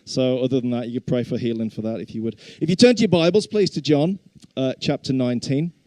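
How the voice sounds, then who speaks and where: A middle-aged man with a Black Country accent speaks to a congregation in a relaxed, mellow voice. The sound is close and dry. He preaches informally and chattily, with self-deprecating humour. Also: mid-range voice, fast, dry recording. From English Black Country. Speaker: guest preacher and worship leader.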